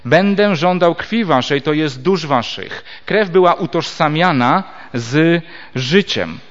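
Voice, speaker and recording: A man preaching a Bible teaching sermon. He explains step by step and reads scripture aloud with measured pauses. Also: fairly high pitch, animated, a bit bright. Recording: dull lo-fi recording.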